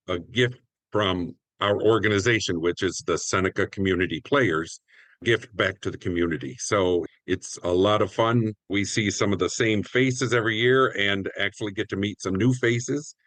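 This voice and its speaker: A man's voice: fairly low pitch, normal speed, a bit bright, no room sound. A man who directs a community radio show, speaking conversationally in a podcast interview. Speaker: director introducing his cast.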